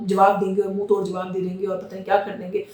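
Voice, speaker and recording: Noticeable background noise runs under this recording. A woman speaks at a medium pitch. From Pakistan. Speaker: journalist. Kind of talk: news commentary to camera.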